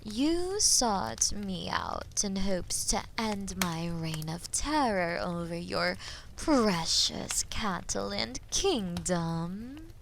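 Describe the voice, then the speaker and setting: Woman playing a slow, haughty, menacing dragoness. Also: medium pitch, sing-song, gravelly, a bit bright, slight background noise, exaggerated voice. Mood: mocking, amused. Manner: taunting, condescending, theatrically slow and deliberate. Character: haughty, menacing female dragon toying with a captive knight. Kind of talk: scripted fantasy audio roleplay addressed to the listener.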